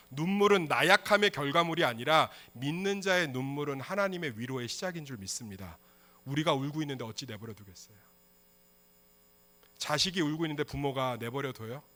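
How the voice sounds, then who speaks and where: A male pastor preaching a sermon with passion, moving between hushed, quiet lines and loud outbursts. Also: medium pitch.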